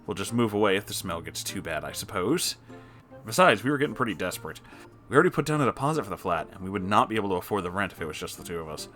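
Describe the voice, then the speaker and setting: Guy w a lowish voice reading a post out loud, groans at the gross bits, faint music under. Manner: breaks off with disgusted reactions. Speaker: story reader. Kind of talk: reading an online post aloud with comments.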